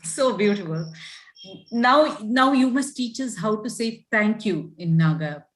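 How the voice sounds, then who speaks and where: A woman's voice: medium pitch, expressive, a little slow, poor audio. A woman with an Indian accent moderating a literary session in a conversational way. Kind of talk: conversational hosting.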